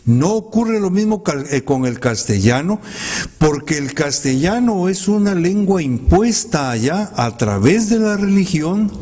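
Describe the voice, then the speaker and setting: A man whose first language is a Mayan language, giving a thoughtful talk to an audience in a library as a guest poet. He speaks in a measured way, with polite asides and some hesitant pauses. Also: on the high side, a little mellow. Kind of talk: reflective commented poetry talk. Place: public library hall. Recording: reverberant hall sound.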